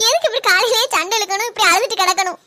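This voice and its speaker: A woman voices a young daughter-in-law who quickly argues back in an indignant tone. Her voice is very high and bright, and she talks fast. It is a comic family skit. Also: a little hiss or hum.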